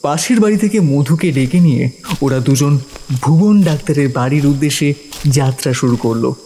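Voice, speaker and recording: A man's voice: on the high side, moderate pace, a little hiss or hum. A man narrating a village ghost story in a dramatic scripted style. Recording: narration over loud music. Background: music with crickets.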